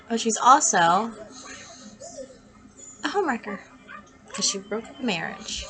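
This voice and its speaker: A woman with a bright, forceful voice that is stuffed up and nasal from being sick. She talks casually to camera as a true crime host, chatty and blunt with her opinions, as if talking is a little painful. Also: mid-range voice, low-quality recording. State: sick with congested nasal voice, hurts to talk.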